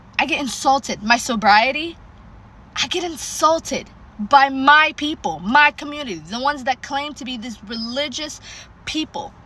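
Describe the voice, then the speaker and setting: A woman speaks in a raised, projected voice with an animated, bright, sharp tone and a high pitch. Her loudness swings widely, and her pace is moderate. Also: ordinary pitch variation. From Ethiopia (Addis Ababa), raised mostly in US. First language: Amharic. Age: adult. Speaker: vlogger. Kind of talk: casual monologue.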